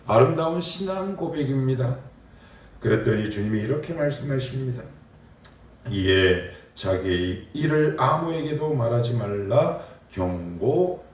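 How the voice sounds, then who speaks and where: A man's voice: medium pitch, animated, measured pace. A man preaching a sermon as pastor, putting earnest rhetorical questions to the congregation in a church hall. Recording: roomy echo, distant mic.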